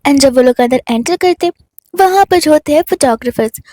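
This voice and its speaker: A woman's voice: high voice, animated, moderate pace, dark tone, slight background noise. A woman narrating a drama recap in a casual storytelling way, mixing in English words. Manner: retells scenes in Hindi mixed with English words.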